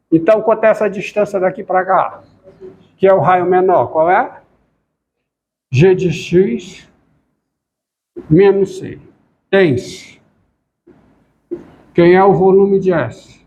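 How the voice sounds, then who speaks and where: Lecturer, male, high voice; works through the board aloud, asks the class the same question over and over. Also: highs cut off. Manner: repeats questions to the class, talks while writing. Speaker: math lecturer.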